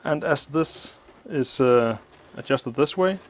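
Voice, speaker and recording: A man explaining a teardown of an old appliance at a workshop bench, thinking aloud with many pauses, his voice slightly muffled by a mask. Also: medium pitch, animated, slight background noise. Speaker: electronics teardown host. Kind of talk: hands-on technical walkthrough.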